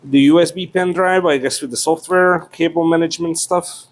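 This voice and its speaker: A man's voice: on the high side, fairly even intonation, moderate pace. A man chatting casually and unscripted as he unboxes a product, with playful, sweary asides.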